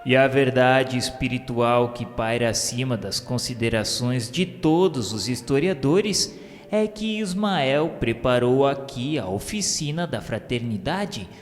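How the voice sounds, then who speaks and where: A Brazilian man reads a scripted radio novela narration in a solemn, formal, declamatory manner. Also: medium pitch. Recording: long reverb, music behind. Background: music.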